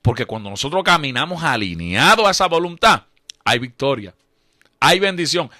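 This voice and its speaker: A man's voice: a little high, sing-song, normal speed, sharp tone, dry recording, clean studio sound. A man preaching a radio sermon with a Puerto Rican accent, building his points through emphatic repetition and chuckling often. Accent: Puerto Rican Spanish. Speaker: evangelist preacher. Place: radio studio.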